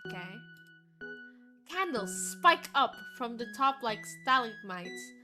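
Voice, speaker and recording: A woman game streamer reading visual novel narration aloud in an expressive storytelling manner. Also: a little high. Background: game music.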